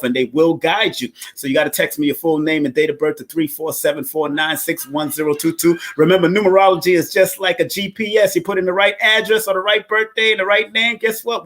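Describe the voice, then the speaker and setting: A man hosting a live show, doing energetic, repetitive sponsor shout-outs and promotions. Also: fairly high pitch. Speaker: show host. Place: Florida, away from home base.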